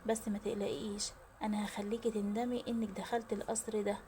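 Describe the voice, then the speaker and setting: Woman doing a menacing grown son, Egyptian accent, harsh, fast, soft-toned. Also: mid-range voice, flat delivery, slight background noise, natural voice. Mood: angry, threatening. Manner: harsh, accusing, mocking.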